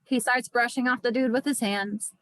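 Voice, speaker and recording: A woman's voice: fairly high pitch, fairly even intonation, normal speed, a bit bright, dry recording, low-quality recording. A woman narrator reading stage directions from a film script in an online table read. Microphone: video call.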